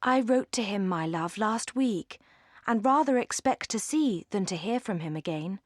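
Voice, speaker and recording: A woman's voice: medium pitch, expressive, normal speed, no room sound, natural voice. A well-bred English mother in middle age, played by a woman reading aloud. She speaks politely and affectionately, with an anxious, probing edge, in a mid-range voice. It is a dry storybook recording. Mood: gentle.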